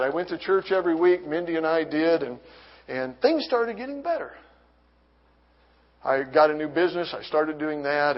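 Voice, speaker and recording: A man giving an earnest personal faith testimony, halting with restarts and reading scripture aloud. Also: a little high. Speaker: testimony speaker. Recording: dull lo-fi recording.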